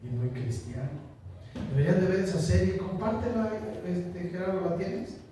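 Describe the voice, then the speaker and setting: Chatty pastor in echoey church. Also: male voice, sits high, animated, normal speed, warm tone. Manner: chatty, asks the congregation questions, jokes. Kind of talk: conversational sermon. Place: small church. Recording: echoey church room, distant mic, faint noise.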